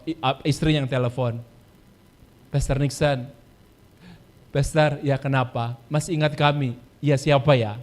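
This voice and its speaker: A male pastor preaching a sermon in speech, telling stories, acting out quoted voices and repeating key phrases. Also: fairly high pitch.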